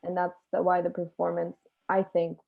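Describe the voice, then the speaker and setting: A woman's voice: fairly low pitch, completely flat delivery, moderate pace, creaky, narrow, tinny audio. A woman chatting casually as an interviewed performer, heard through thin call audio. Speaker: stage performer being interviewed. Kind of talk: casual chat.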